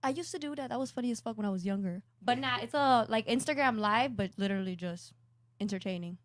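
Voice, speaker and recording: A woman's voice: a little high, fast, no echo, studio quality. A young woman on a podcast panel, talking casually and swearing freely.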